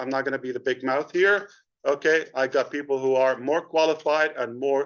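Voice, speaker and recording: Here a man speaks at a moderate pace. His pitch variation is ordinary. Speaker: company founder addressing members. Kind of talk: live webinar update. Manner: casual, halting with fillers.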